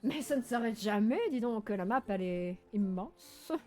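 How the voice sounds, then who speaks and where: A woman giving casual, animated live commentary while playing a video game, with a playful, teasing, mock-boastful manner. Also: mid-range voice, normal speed. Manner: animated, frequent laughing and exclaiming. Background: game music.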